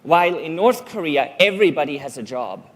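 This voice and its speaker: A middle-aged man from Switzerland whose first language is Swiss German delivers a prepared talk. His voice sits a little high for a man. He tells personal stories and turns to the audience with rhetorical questions. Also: animated, fairly quick. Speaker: speaker giving a talk.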